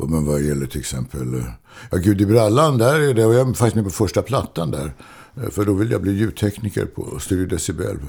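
A man with a very deep, low voice speaks at a fairly quick pace, his pitch swinging very widely, with vocal fry. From Stockholm, Sweden. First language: English (speaking Swedish). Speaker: retired musician. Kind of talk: casual chat.

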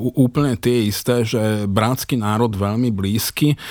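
This man speaks in a normal speaking voice. His pitch is medium and his pace fairly slow. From Slovakia, Košice. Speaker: political commentator and writer. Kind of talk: interview.

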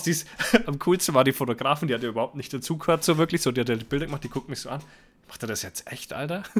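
Delivered at a very fast pace, the speech shows big swings in loudness. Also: man, fairly high pitch for a man, ordinary pitch variation. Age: 30s. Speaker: podcast co-host, hunter. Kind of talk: casual chat. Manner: animated.

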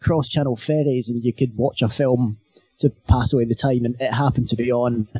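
The speech comes at a very fast pace in a Scottish accent. The voice is somewhat breathy. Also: man. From Scotland. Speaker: podcast co-host. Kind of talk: casual chat.

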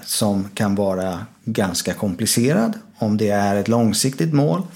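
Speaking very slowly, a man uses a fairly low pitch with ordinary pitch variation. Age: 50s. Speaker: podcast co-host, life coach. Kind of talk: casual chat.

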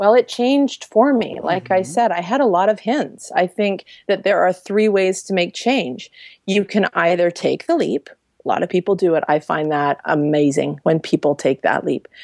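A woman with a plain, everyday voice speaks at a medium pitch and a moderate pace, her intonation lively. The sound is dry and close, with no echo. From Vancouver, Canada. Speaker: empowerment coach and speaker. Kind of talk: casual interview chat.

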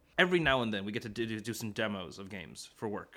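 A man's fairly low-pitched voice with a bright, sharp tone. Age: 20s. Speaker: podcast host. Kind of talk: casual chat.

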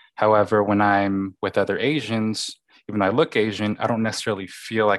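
This man has a Californian accent, a fairly low pitch and fairly even intonation. He talks at a fairly quick pace, with a dry, close sound, no echo and a quiet background. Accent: general American, Californian. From Los Angeles, California. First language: Spanish. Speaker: lawyer. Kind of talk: panel discussion.

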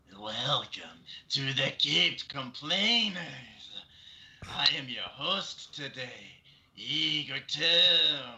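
A man uses a put-on character voice, pitched fairly high. He speaks at a very slow pace. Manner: hammy, theatrical.

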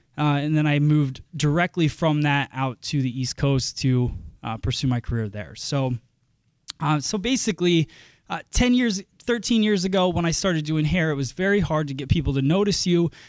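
In an ordinary speaking voice, a man with an American accent talks at a fairly high pitch and moderate pace with lively intonation, in a very clean recording with a silent background and a dry, close sound with no echo. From Iowa. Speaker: hairdresser and salon owner, podcast host. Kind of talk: casual solo talk, live tips show. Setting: live stream, audio only. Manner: casual, lots of filler words.

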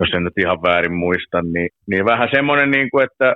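The man speaks with a very deep, low pitch. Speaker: ice hockey coach. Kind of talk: interview. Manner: repetitive, halting phrasing.

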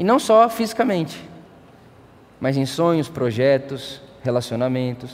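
The man's pitch makes very wide swings. He talks at a fairly slow pace. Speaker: pastor. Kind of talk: sermon. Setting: church.

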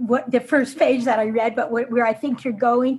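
A woman's high-pitched voice at a moderate pace. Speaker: talent manager and film producer. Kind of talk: panel discussion. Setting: video call.

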